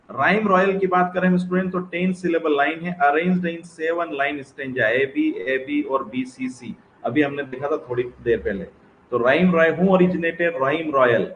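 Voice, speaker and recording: A man teaching literature as an exam-prep lecture, explaining step by step and often calling out to the student, mixing English phrases into his speech. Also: on the high side. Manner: mixes English phrases into Hindi. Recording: echoey room with faint noise.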